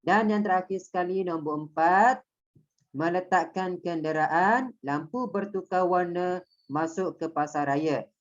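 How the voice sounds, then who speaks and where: Her voice lowish and a little slow, a Malaysian Malay-accented primary school teacher of Malay walks her pupils through an online lesson, pausing to confirm they understand. The recording is muffled.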